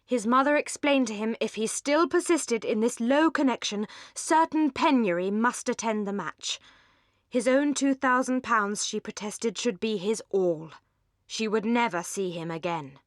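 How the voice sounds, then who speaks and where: A pompous English gentleman of a classic novel, acted out by a woman narrator. He holds forth solemnly and at length, very pleased with himself, in a close, dry audiobook sound. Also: fairly high pitch, a little slow, no echo, lightly acted. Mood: pompous, indignant. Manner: pompous, solemn, long-winded. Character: pompous, solemn, self-satisfied gentleman brother. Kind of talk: audiobook character dialogue.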